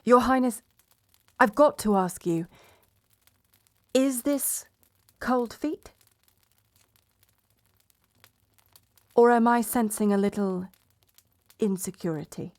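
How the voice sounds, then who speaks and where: A woman's voice: fairly high pitch, slow pace, pauses often, darkish tone. A woman playing a proud, blunt betrothed princess in a medieval romance audio roleplay, sardonic and exasperated in manner. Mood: taunting, heated. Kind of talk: romance audio roleplay acting, addressed to listener.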